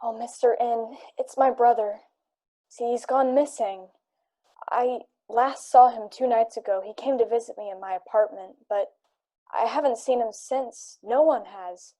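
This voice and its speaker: Mellow, earnest woman actor in radio drama. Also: a little high, unhurried. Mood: worried, rambling. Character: friendly young woman, anxious client of a detective. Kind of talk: radio drama acting, conversational.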